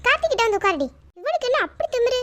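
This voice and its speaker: A woman's voice: extremely high pitch, sing-song, very fast. A woman voicing a bossy, quarrelsome cartoon mother. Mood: scolding. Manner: sharp, scolding, bossy. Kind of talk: cartoon voice acting.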